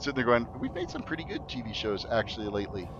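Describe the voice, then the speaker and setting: A man with a medium-pitched voice speaks while background music plays. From western Canada, Vancouver Island. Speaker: video game streamer. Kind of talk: casual live-stream commentary.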